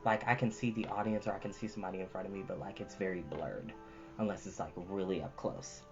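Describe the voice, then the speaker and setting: A woman with a very low voice hosts a storytime, moving between chatty asides and expressive reading. She is earnest and encouraging. The recording is a little dull, with music underneath. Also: fast talker. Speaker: storytime host and reader. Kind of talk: casual chat and expressive book reading. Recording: dull lo-fi audio with music behind.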